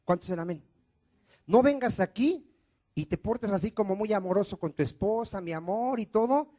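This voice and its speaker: A man with a high voice preaches a sermon in church, questioning his listeners and answering himself. His delivery swings between loud, emphatic lines and quiet, falling endings. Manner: call-and-response preaching, asks questions and answers them himself. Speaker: pastor.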